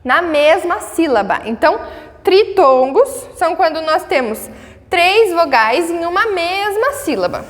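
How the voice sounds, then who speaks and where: A Brazilian woman teaching a grammar lesson, patiently checking in with her students and sounding out words slowly syllable by syllable. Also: very high-pitched, very animated, in a large hall. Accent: Brazilian Portuguese. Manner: patient, checks in often with tags.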